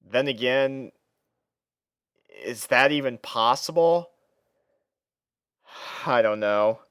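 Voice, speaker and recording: A man's voice: mid-range voice, slow pace, a bit bright, clear, resonant tone, no echo, clean studio sound. A man reading a first-person fan fiction story as narrator, dramatising the character's thoughts.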